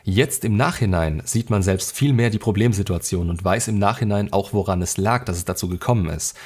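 Blunt low-voiced man reading a story. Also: a little fast, darkish tone, breathy edge. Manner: blunt, sarcastic commentary. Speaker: host reading and commenting on a viewer's story. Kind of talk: reading aloud and commentary.

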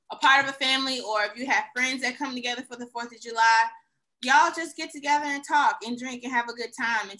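Bright, earnest woman podcaster. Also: on the high side, poor audio. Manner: earnest and reflective. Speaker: podcast co-host. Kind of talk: casual podcast chat.

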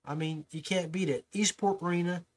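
A man's voice: sits high, steady tone, normal speed. A man hosting a fishing podcast, talking casually and rambling a bit with fillers and restarts. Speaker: podcast host.

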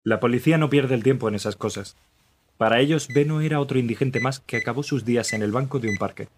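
A man's voice: medium pitch, fast, background noise, close to an everyday voice. A man playing a matter-of-fact male informant in a radio drama.

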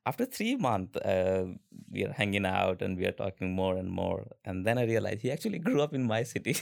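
A man in his twenties with an Indian accent, a podcast guest telling stories casually with halting restarts and fillers. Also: lowish voice, very animated, creaky. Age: 20s. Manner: halting, many restarts and fillers, laughs often. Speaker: interview guest. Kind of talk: casual conversational storytelling.

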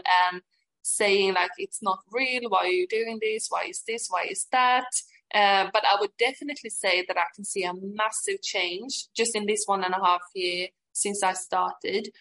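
A woman's voice: medium pitch, fairly bright tone, poor audio. A woman in her late twenties with a Swedish accent tinged with British, chatting casually and emphatically as an interview guest. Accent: Swedish with some British. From Sweden. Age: 20s. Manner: enthusiastic, emphatic. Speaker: podcast guest, network marketer.

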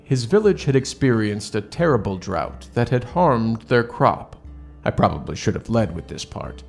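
Low-voiced man telling stories, gravelly edge. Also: darkish tone. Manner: formal, measured, halting wording. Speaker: player in a tabletop roleplaying game. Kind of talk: improvised in-character storytelling.

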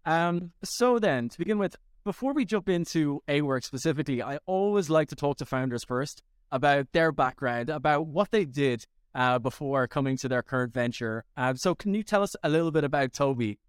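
A man's voice: on the high side, lively intonation, normal speed, hardly any pauses, clean tone, dry recording, clean studio sound. A man hosting a podcast, interviewing a founder and reacting with upbeat, effusive affirmations. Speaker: podcast host.

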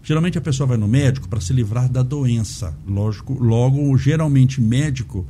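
A man's voice: medium pitch, moderate pace, warm tone, slight background noise. A man with a Brazilian accent hosting a podcast in a conversational interview style. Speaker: podcast host.

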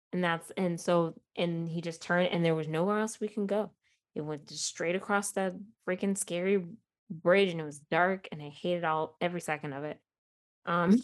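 Chatty Midwestern woman with a lowish voice. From Chicago. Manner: chatty, self-deprecating, laughs often, many fillers. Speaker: podcast host. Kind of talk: casual solo podcast chat.

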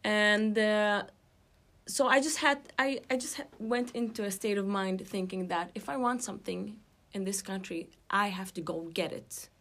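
A young woman from Iraq, a guest on an interview show, telling her story in a casual, animated way with frequent laughs and filler sounds. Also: mid-range voice, moderate pace. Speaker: guest, TV presenter.

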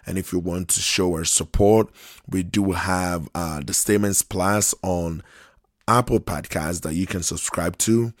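A man with a very low voice hosts his podcast while a little hoarse from losing his voice. He talks in an easygoing, rambling way, circling back and restarting his phrases. The sound is dry and close, with no room echo. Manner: unhurried and conversational, repeats and restarts phrases. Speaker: podcast host. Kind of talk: casual solo podcast talk.

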